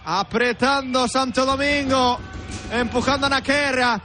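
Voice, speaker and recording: A man's voice: very high-pitched, fairly even intonation, unhurried, pushed and bright, faint music behind. A man giving live radio football commentary on penalty kicks, emphatic and fond of repeating phrases.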